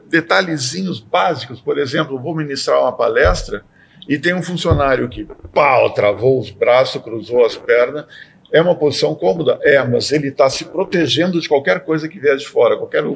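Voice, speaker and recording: A man in a podcast discussion who explains ideas with lively acted-out examples. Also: medium pitch, normal speed, vocal fry, a little hiss or hum. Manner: animated, acts out everyday sayings in quoted voices. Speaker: podcast panelist.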